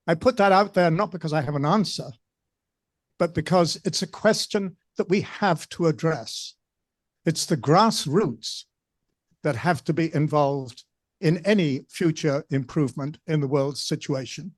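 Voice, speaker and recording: A man asking an articulate, measured question from the floor at a conference. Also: on the high side, no room sound, studio quality. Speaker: audience member asking a question.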